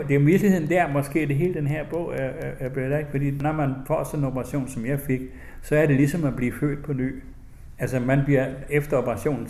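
An older man from West Jutland, an author, sharing childhood memories in a gentle, halting way and then reading slowly from his own book. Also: mid-range voice, reverberant. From West Jutland, Denmark. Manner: gentle, reflective, halting, with restarts; slow, measured reading voice.

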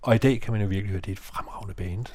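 A man from Denmark co-hosting a relaxed radio chat about music, often adding small tag questions. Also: on the low side. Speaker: co-host.

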